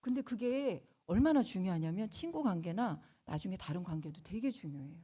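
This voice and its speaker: A middle-aged woman, a school principal, giving a seminar lecture full of personal stories and acted-out exchanges. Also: medium pitch. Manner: lively storyteller who acts out quoted exchanges.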